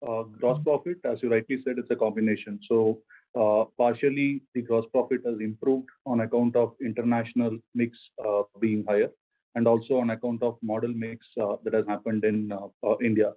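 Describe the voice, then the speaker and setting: A man speaking as a company finance executive, giving measured corporate answers to analysts on an earnings conference call. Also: medium pitch, flat delivery. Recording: phone-like conference call line.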